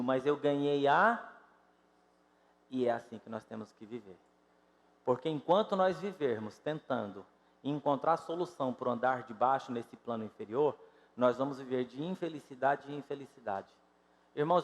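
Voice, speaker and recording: Emphatic Brazilian pastor in a reverberant church. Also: male voice, mid-range voice. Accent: Brazilian Portuguese. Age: 50s. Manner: emphatic, rises and drops sharply in loudness, addresses congregation directly. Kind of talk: sermon. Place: church sanctuary.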